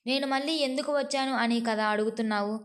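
A woman reading the lines of a cruel male villain who shouts harsh demands in an audio story. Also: on the high side, a little fast, close to an everyday voice. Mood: menacing.

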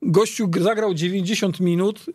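A man casually discussing football as a radio pundit, halting and repeating words as he searches for them. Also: sits high, steady tone, a little mellow, no room sound. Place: radio studio.

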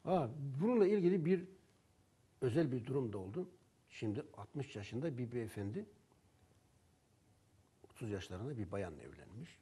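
A man's voice: medium pitch, very animated, normal speed, pauses often, mellow, slightly rough. A man who sells herbal remedies, telling anecdotes about customers and acting out their back-and-forth in casual talk. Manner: storytelling, acting out dialogue with customers.

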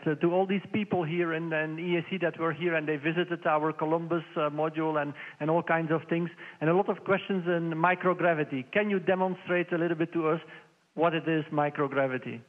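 A man hosting a live radio link, halting and filler-heavy, heard through a tinny radio communicator. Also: fairly high pitch. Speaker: ground host linking with the station. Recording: phone-like radio line with long echo.

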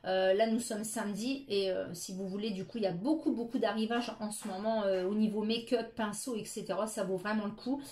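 A woman's voice: mid-range voice, steady tone, brisk, few pauses, a little mellow, a little hiss or hum. Middle-aged woman, casual haul vlogger, chatty with many hesitations, echoey room. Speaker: beauty vlogger.

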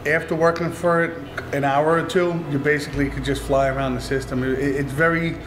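A man's voice: fairly high pitch, fairly even intonation, a little fast, noisy background. A man in his forties, co-owner of a market and restaurant, talking in a chatty, joking storytelling way in an indoor interview. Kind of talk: casual testimonial interview. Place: restaurant dining room, indoors. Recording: music playing underneath.

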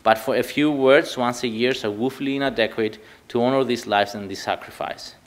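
A man in his thirties from Cyprus, a native Greek speaker with a Cypriot accent, delivering a prepared political speech at a commemoration event in an earnest, measured way that stresses key words. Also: medium pitch. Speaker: party speaker.

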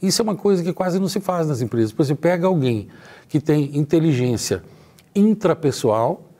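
A middle-aged male trainer gives a motivational workplace lesson, speaking emphatically and straight to the listener. His voice sits a bit high for a man, yet it sounds warm and mellow with a husky edge. He acts out little dialogues to make each point. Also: animated, fairly quick. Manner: emphatic, talks straight to the viewer.

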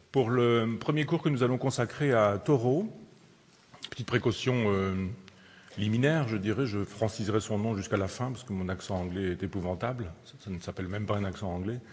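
A man's voice: fairly low pitch, normal speed, a little hiss or hum. A man giving a public philosophy lecture, hesitating often with fillers and restarting his sentences. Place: lecture hall. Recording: long reverb of a lecture hall.

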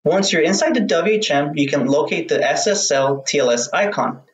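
An echoey, slightly distant recording of a man in his thirties. He gives scripted, step-by-step technical instructions in a small room, speaking at a medium pitch. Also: expressive, moderate pace. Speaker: web hosting support expert.

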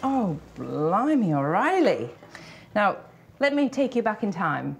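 This time the same kind of presenter, a woman in her forties who is an antiques expert, speaks slowly at medium pitch with a creaky, breathy edge. She addresses the camera from a large shop, storytelling with animated theatrical flair.

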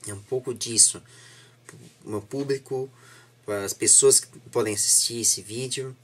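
A young Brazilian man speaks as an interviewer in a casual, reflective chat. His mid-pitched voice is husky and a little rough. He phrases things haltingly and earnestly, often restarting his thought. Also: steady tone. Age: young adult. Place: small home room indoors, seated on a sofa.

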